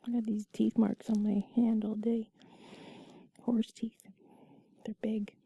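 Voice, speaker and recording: Husky, whispery woman with a creaky edge. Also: a little high, flat delivery, slow, dry recording, dull audio. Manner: soft, rambling, confiding. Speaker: intimate audio creator. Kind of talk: intimate, cuddly whispered storytelling to the listener.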